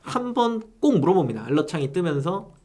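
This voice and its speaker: A seller education instructor lectures online sellers casually and chattily, often tacking on tag questions to invite agreement. His mellow voice sits high, and he speaks fairly quickly and very animatedly.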